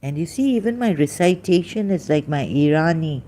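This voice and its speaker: A speaker in their fifties from Pakistan, rambling on a livestream in a weak, tired voice, halting and restarting often. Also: mid-range voice, animated, mellow. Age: 50s. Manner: halting, with many restarts and fillers.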